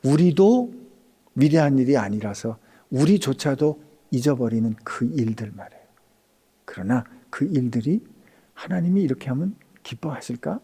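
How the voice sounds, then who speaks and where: A male pastor preaching a sermon, swinging between raised emphatic passages and hushed, whispered lines, acting out quoted speech in intimate tones. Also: mid-range voice, lively intonation, moderate pace, breathy edge.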